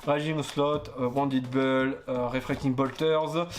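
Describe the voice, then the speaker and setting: A man's voice: mid-range voice, fairly even intonation, slow. A man casually chatting while opening trading card boosters, hesitant with many fillers and self-corrections, stumbling over English card names. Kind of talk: casual booster unboxing chat.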